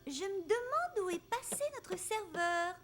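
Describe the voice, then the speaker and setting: A woman's voice: very high voice, expressive, measured pace. A woman voicing a kind, playful young babysitter in a children's cartoon, bubbly, coaxing and sing-song. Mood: playful pretending. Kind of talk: children's cartoon dub acting. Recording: loud music behind the voice.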